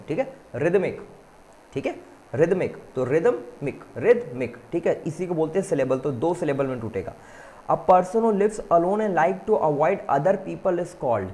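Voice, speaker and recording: A man's voice: a little high, mellow, slight background noise. Man teaching an exam-prep lesson. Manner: reads English slowly, explains fast in Hindi; calls students "beta".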